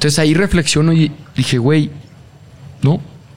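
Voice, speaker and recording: A man speaking at a moderate pace amid noticeable background noise. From northern Mexico (Torreón). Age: 20s. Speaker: motivational speaker and content creator. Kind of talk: casual chat.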